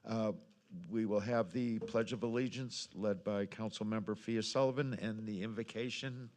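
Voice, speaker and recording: A man's voice: on the low side, steady tone, moderate pace, a little mellow. An American man, a mayor, running council meeting procedure in a semi-formal way. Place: council chamber.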